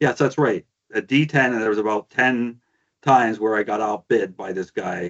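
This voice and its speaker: A man speaks in a normal speaking voice with a Canadian accent. His pitch is medium and his pace moderate. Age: 60s. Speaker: sound designer and synth tutorial maker. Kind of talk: casual chat. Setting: video call.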